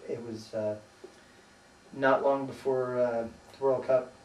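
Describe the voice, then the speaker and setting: A man's voice: mid-range voice, steady tone, slow, darkish tone. American guy chatting about his life, rambles and hesitates, swears a bit, roomy far-off recording w/ faint noise. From United States. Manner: swears casually. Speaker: interviewee. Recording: roomy echo, distant mic, faint noise.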